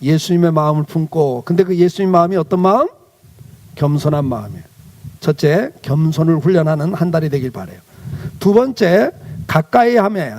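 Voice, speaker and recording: A man's voice: high voice, a little mellow. A male pastor giving a children's sermon, asking the children questions and then answering them himself.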